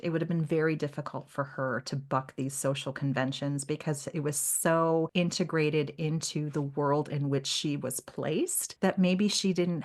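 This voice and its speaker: A woman hosting a literary discussion in a conversational, expressive and emphatic way, often acting out the remarks she quotes. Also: deep voice. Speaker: podcast host.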